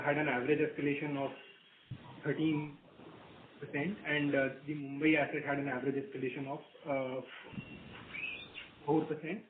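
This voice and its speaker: A man answering haltingly as a company executive on a conference call. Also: fairly high pitch, phone-quality sound. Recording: echoey speakerphone, faint noise, phone band.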